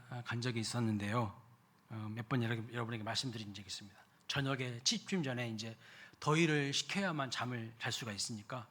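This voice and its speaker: A middle-aged male pastor preaching a Sunday sermon in a church, animated, with big swings in loudness and many rhetorical questions to the congregation. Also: mid-range voice. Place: church sanctuary.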